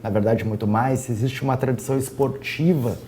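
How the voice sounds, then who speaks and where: Man on a tv talk show selling his region's tourism, mellow voice, light background hum. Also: mid-range voice, fairly even intonation, fairly quick. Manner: promotional, fluent, listing facts. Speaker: tourism director guest. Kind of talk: studio talk show interview.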